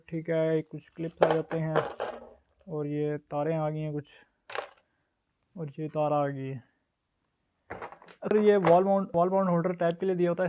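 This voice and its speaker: A Pakistani man talks casually through a product demo. His voice sits a little high and stays fairly flat in pitch. There is clear noise behind him as he presents. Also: lo-fi sound. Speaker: shop's product reviewer and presenter. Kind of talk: casual unboxing and demo narration.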